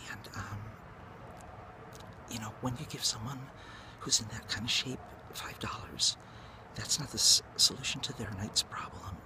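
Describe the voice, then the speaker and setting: Whispering amid noticeable background noise, a man shows big swings in loudness and long, frequent pauses. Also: moderate pace. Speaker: ASMR creator. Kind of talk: casual talk to camera. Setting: outdoors. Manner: whispered.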